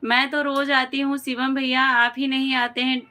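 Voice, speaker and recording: A woman hosting a casual live stream, chatting with viewers and greeting them by name with devotional greetings, and coaxing her small daughter in a gentle, motherly way. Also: high-pitched, level tone, normal speed.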